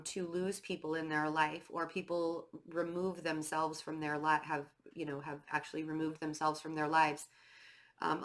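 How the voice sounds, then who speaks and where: A woman's voice: sits low, a bit bright. Stuffy-nosed woman giving a chatty tarot reading. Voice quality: nasal. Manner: chatty, filler-heavy, with many "um" and "like"; self-described nervous and fidgety. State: stuffy nose from a cold. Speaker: tarot reader. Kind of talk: casual spoken tarot reading to camera.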